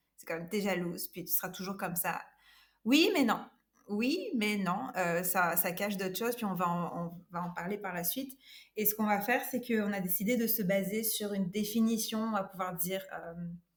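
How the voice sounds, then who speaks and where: This woman talks at a moderate pace in a medium pitch, with ordinary pitch variation and a somewhat breathy quality. There is audible echo from the room. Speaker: podcast co-host. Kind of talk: casual podcast chat. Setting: video call.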